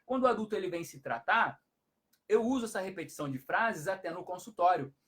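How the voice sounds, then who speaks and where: A man's voice: high-pitched, animated, quick pace, a bit bright. A man, a hypnotherapist giving parenting advice on a live stream, who explains things repetitively and often adds tag questions.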